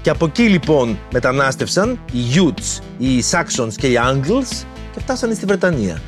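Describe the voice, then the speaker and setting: A man's voice: a little high, very animated, soft background music. A man hosting a history video, explaining legends in a playful, slangy way full of jokey asides.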